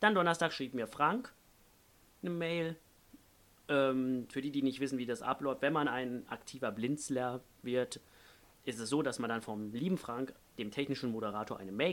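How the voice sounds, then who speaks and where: At a medium pitch, a man speaks with ordinary pitch variation and a moderate pace. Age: 20s. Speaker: volunteer tech team member. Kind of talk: pre-recorded self-introduction. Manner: casual.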